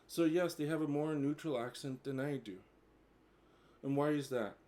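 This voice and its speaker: A man from New York, a native English speaker, mostly neutral American accent, talking casually in halting learner Portuguese and plain English. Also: on the high side, mellow. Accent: mild New York, mostly neutral American. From United States (New York). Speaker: vlogger. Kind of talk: casual bilingual vlog explaining.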